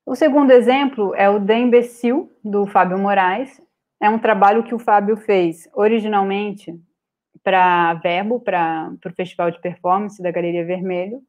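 A woman with a Brazilian Portuguese accent giving an online lecture over slides, pausing often with fillers and restarts. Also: medium pitch, fairly even intonation, darkish tone. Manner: hesitant, many filler "é" and restarts. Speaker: guest speaker on art publishing. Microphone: video call webcam.

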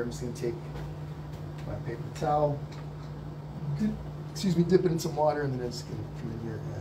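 Male painting instructor, sniffly, relaxed and encouraging, off-camera mic with noticeable background noise. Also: mid-range voice. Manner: relaxed, encouraging, reads out viewer comments. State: sniffly, slight cold. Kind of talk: live-streamed painting lesson. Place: indoor art studio.

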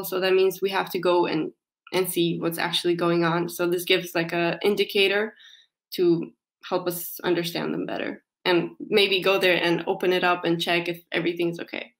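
A woman's voice: lowish voice, flat delivery, normal speed. A young woman in her twenties, a company representative, explaining casually in a remote interview with many fillers, heard over a video call from a small room. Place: small indoor room, plain wall. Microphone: video call, laptop camera.

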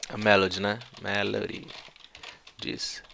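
A man's voice: fairly low pitch, monotone, slow, gravelly, sharp tone, slight background noise. A man with a Brazilian Portuguese accent, teaching English in a casual, chatty way and peppering his explanations with slang.

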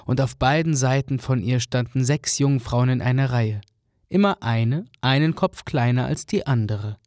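A man narrates a fairy tale in an even, storytelling manner, and his voice sits at a middle pitch. The recording is dry and close, with no room sound. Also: normal speed, no echo.

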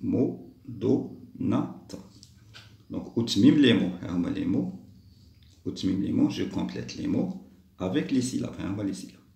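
A man walking young pupils through a lesson, slowly repeating each step in two languages. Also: lowish voice, lively intonation, gravelly, warm tone, roomy sound. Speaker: teacher. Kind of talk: primary school lesson walkthrough.

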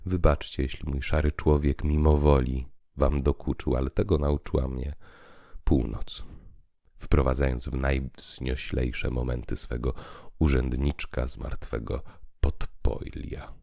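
A man's voice: rumbling low, flat delivery, a little slow, vocal fry, dark tone, no echo, studio quality, exaggerated voice. A man voicing a condemned revolutionary in an audio drama, weary and skeptical, philosophizing with grand, ironic rhetoric. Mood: resigned. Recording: piano music underneath.

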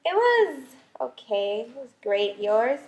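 A woman's voice: a little high, very animated, slow, a little mellow, dull audio, exaggerated voice. A young woman playing a henpecked husband besotted with his pet, in an amateur puppet show. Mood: doting, resentful. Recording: echoey room, clear background noise.

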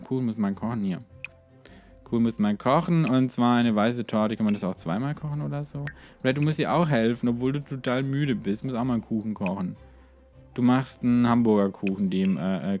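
Male let's player, mid-range voice, loose chatty commentary full of filler tags, soft music bed behind. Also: medium pitch. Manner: chatty, rambling, talks to game characters; constant filler tags like "hier" and "ne".

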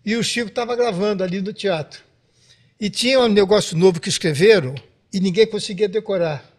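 A man's voice: high voice, fairly quick. An older man with a Brazilian accent, hosting a podcast and chiming in with his own memories. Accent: Brazilian Portuguese. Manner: chatty, chimes in with memories. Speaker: podcast host.

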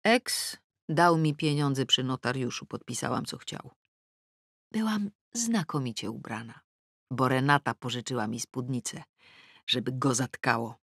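A woman's voice: rumbling low, a little slow, a bit bright, no room sound, clean studio sound. A middle-aged woman reading a first-person comic novel aloud, wry and self-mocking, dropping to sulky mutters and rising into exclamations. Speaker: audiobook narrator. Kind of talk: first-person audiobook narration.

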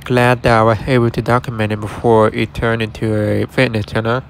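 Standing outside a shopping center storefront, a vlogger who explores closed stores gives his viewers a casual tour of a shuttered restaurant. His low-leaning voice is level, brisk, and fry-tinged, his tone matter-of-fact, with faint traffic audible behind him.

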